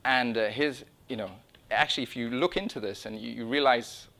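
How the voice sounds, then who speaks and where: A middle-aged man with a creaky, medium-pitched, somewhat bright voice talks fairly fast about his own project. The talk is informal and conference-style, with slides, held in an indoor meeting room or small lecture room. He speaks conversationally, often interrupting himself.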